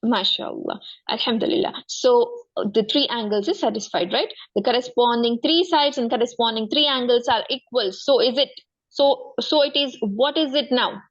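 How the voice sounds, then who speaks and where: Female maths tutor, South Asian accent, higher-pitched, encouraging, interactive, dull lo-fi recording. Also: moderate pace. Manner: encouraging, frequently checking understanding. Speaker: maths teacher.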